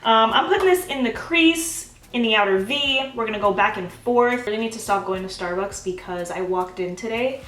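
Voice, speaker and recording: A woman's voice: on the high side, fairly quick, few pauses, fairly bright tone, roomy sound, recorded from a distance. A young woman chatting bubbly and gushing through a makeup tutorial at home, talking straight to her viewers. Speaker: beauty vlogger. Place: home, filming herself.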